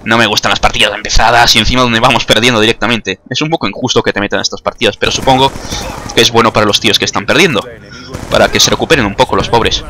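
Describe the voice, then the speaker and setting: Here the same young Spaniard talks fast in a lowish, fairly even voice that still sounds bright and forceful, with a faint hiss or hum underneath. It's casual, chatty gameplay commentary full of jokes at the expense of his own playing.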